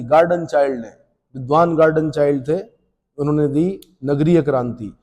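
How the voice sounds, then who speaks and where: A man teaching an exam coaching class, firing off quiz questions and answering them himself, brisk and scolding. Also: sits high, warm tone, in a large hall. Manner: drills students with questions and answers. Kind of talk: rapid-fire exam coaching lecture.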